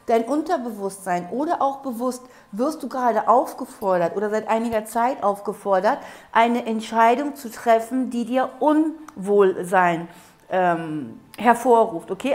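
Woman slightly high voice, hoarse from a cold, doing a tarot reading at her table, keeps repeating stuff to the viewer. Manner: repetitive, coaxing, addresses viewer directly. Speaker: tarot reader. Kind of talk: interactive tarot reading to camera. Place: room at a table with candles.

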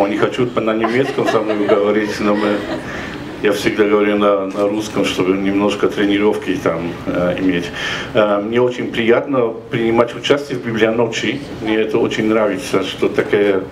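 A man's voice: lowish voice, background noise. A man in his sixties from Poland, speaking Russian as a foreign language with a Polish accent, talking to an audience at a book event into a handheld mic, hesitant and correcting himself often. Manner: hesitant non-native Russian with self-corrections. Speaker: author. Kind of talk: public talk at book event. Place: large bookstore event hall. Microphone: handheld microphone. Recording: echoey hall, recorded from far off.

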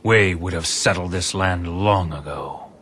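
An ambitious warlord speaks in a very deep, cold voice. He is slow and unhurried, with a commanding weight. It is a video game cutscene voice. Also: fairly bright tone, a little hiss or hum. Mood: respectful.

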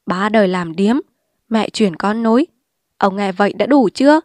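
A woman's voice: medium pitch, normal speed, no room sound, lightly acted. A woman voicing a defiant, streetwise young woman who speaks bluntly and scornfully. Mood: bitter. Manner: blunt, scornful and sharp-tongued.

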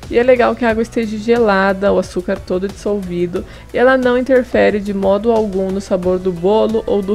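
At a home kitchen table, a young woman who hosts a cooking channel narrates a relaxed recipe demonstration in voice-over, chatting through every step and sharing friendly tips. Her voice is mid-range and a little mellow.

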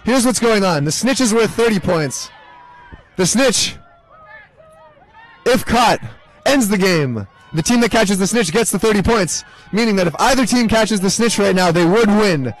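A young man commentating a live match, mixing play-by-play with deadpan jokes. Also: sits high, normal speed, hardly any pauses, low-quality recording. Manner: deadpan joking asides. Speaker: sports commentator. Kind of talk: comedic live sports commentary.

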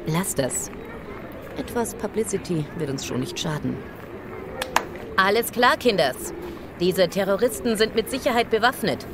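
Woman acting a lively, commanding police commissioner over noise. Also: medium pitch, a little slow, pauses often. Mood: dry, dismissive. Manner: commanding, condescending. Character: hard, sardonic female police commissioner leading a raid squad. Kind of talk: German radio play acting. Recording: rough unfinished mix, clear street and vehicle noise.

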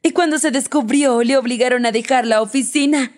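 A woman's voice: high-pitched, fairly quick, darkish tone, close to an everyday voice. A woman reader voicing a drunk, spiteful woman who taunts a rival with mocking, gloating laughter in an audiobook. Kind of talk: audiobook character reading.

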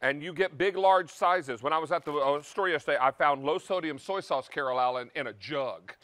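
A man's voice: on the high side, fairly quick, pushed and bright, no room sound. Upbeat man selling on live TV. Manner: upbeat, counts down stock and deadlines. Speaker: shopping channel cooking show host. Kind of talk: live home shopping sales talk. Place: large TV studio kitchen set.

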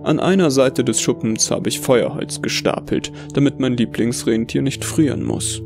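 A male actor narrates as a bitter, deluded Santa in a horror story. His mid-pitched voice is gravelly and brooding, full of contempt, with music underneath. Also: normal speed, close to an everyday voice. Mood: brooding, cold. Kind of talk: dramatic first-person horror narration. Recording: music behind the voice.

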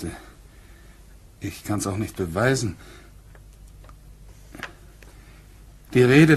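An actor playing a plain-spoken, guarded Puritan farmer in a German radio play, blunt and measured, at times hesitant. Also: male voice, mid-range voice, a little hiss or hum, natural voice. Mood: grave, reluctant.

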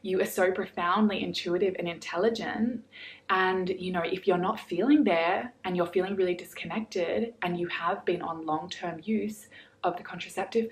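Young female wellness coach, lower register, earnest and flowing, filler-heavy delivery. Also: a little hiss or hum, rough recording. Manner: earnest, flowing, many fillers like "like" and "you know". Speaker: holistic health coach. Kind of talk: direct-to-camera advice vlog.

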